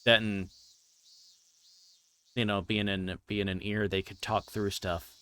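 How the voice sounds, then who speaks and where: A man livestreaming a visual novel, reading story text aloud and adding halting, informal asides. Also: lowish voice, little pitch movement, pushed and bright. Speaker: streamer playing a visual novel. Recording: clear background noise, insect-like ambience.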